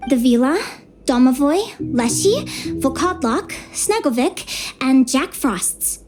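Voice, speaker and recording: A woman's voice: high-pitched, animated, slow, over music. A woman voicing an earnest, determined young fae girl in a video game, speaking with emotion and expression. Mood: reciting. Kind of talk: scripted game voice acting.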